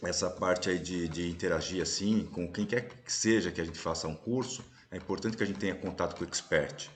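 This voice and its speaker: A man with a very low voice hosts a relaxed live-stream conversation over a video call. He explains patiently and keeps asking his listeners whether they are following. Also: fairly quick, slight background noise. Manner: explanatory, often ending sentences with "né?". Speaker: host and course instructor. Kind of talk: casual live-stream chat.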